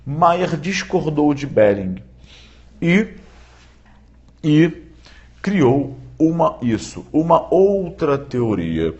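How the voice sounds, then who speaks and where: A man giving a live-streamed law lecture, often checking in with viewers and repeating key points slowly for emphasis. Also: a little high, sing-song, a little mellow, dull audio. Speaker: law teacher.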